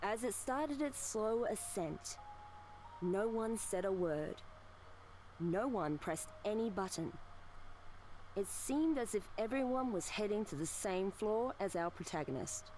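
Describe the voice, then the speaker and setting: A woman's voice: mid-range voice, animated, a little slow, darkish tone, slight background noise, natural voice. A woman acting a dramatic, playful narrator of a visual novel game. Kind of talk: theatrical scripted narration.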